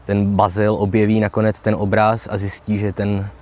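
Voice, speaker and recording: A young man with a fairly low voice talks through a novel like a casual lesson. He explains things step by step in a loose, conversational way, with plenty of fillers and small asides. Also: monotone, darkish tone. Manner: chatty, explanatory, frequent fillers like "jo" and "no". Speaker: literature video host. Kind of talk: casual literature lecture.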